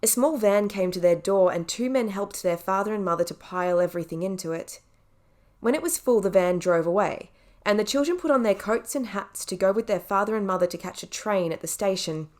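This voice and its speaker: A woman's voice: medium pitch, animated, a little fast, darkish tone. A woman reading scripted audiobook narration as a professional narrator.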